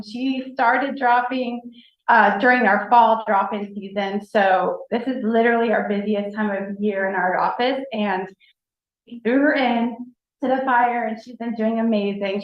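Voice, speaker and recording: A woman who directs a college advising office, presenting new staff at a board meeting in an upbeat, enthusiastic way. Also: fairly high pitch. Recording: echoey room, dull lo-fi sound.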